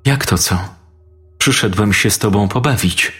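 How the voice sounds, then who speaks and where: A man voicing a creepy, ever-smiling ghost boy in a spoken horror story, talking softly and slyly. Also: fairly low pitch, moderate pace, husky. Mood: coaxing. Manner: soft, sly and coaxing.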